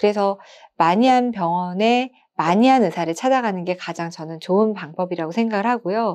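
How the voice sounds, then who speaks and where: A woman of medium pitch keeps a moderate pace, her pitch moving in an ordinary way. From South Korea. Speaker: ophthalmologist. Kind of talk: informational talk to camera. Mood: calm, reassuring. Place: studio.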